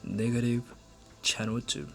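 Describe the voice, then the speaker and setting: A young man who speaks English with a Japanese accent, Japanese being his first language, talking casually to camera in a halting way with many fillers. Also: mid-range voice, level tone, faint music behind. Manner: halting, filler-heavy, asks "right?" often. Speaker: English-learning YouTuber. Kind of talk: casual vlog talk to camera.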